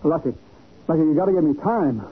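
Nervous, pleading, higher-voiced gambling debtor. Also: male voice, animated, fairly quick, breathy edge. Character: anxious, evasive gentleman nephew deep in gambling debt. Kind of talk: 1940s radio acting. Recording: muffled, hissy 1940s radio recording.

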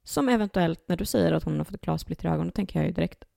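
A woman's voice: on the low side, gravelly, mellow, no room sound, studio quality. A young woman co-hosting a podcast, reacting to her friend's story in casual chat. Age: young adult. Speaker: podcast co-host.

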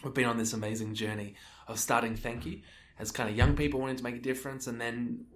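An Australian man of thirty answers interview questions in a loose, conversational way. His voice sits at a medium pitch. It sounds roomy and set back from the microphone. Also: fairly even intonation, fast. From Melbourne, Australia. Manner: informal, conversational, peppered with "like" and "you know". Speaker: interview guest, social enterprise co-founder. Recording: echoey room, distant from the mic.

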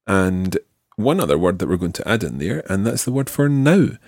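A man hosting a podcast language lesson, modelling phrases slowly and clearly for a learner. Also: low voice, big pitch swings, a little mellow, no echo, clean studio sound. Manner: slow, clear teaching delivery with drawn-out model phrases. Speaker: language teacher and podcast host.

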